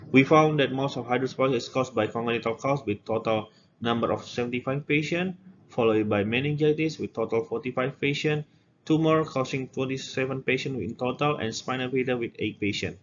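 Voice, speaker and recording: A man with an Indonesian accent presents medical research in a halting, formal way. His voice sits at an average male pitch. The recording is dull and lo-fi, with faint noise behind him. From Medan, North Sumatra, Indonesia. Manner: halting, with repeated words and non-native phrasing. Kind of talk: scripted academic conference presentation. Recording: dull lo-fi audio with background noise.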